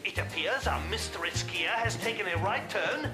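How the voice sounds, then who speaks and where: A male TV sports announcer in a cartoon, calling a ski race in a halting commentary style. The voice rings with echo over prominent music. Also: sits high, lively intonation. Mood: astonished, announcing. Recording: echoing, loud music behind.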